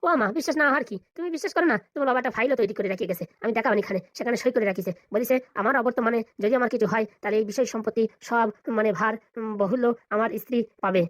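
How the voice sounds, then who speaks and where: A performer voicing a fawning, sly cartoon servant with a Bengali accent, wheedling and deferential, with a pitched-up effect. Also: rapid-fire, a bit bright, no echo. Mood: sly, persuasive. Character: fawning, sly servant-assistant to a politician's family. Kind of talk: Bengali comedy cartoon voice acting.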